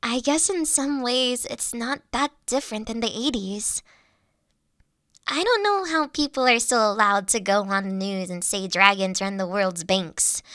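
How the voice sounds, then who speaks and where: Woman voicing a bashful nerdy dragon girl, high-pitched. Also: bright, forceful tone, dry recording, clean studio sound, heavily acted. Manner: bashful, earnest, halting, giggly. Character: shy, nerdy, self-deprecating big young female dragon student. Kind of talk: intimate one-sided character audio roleplay.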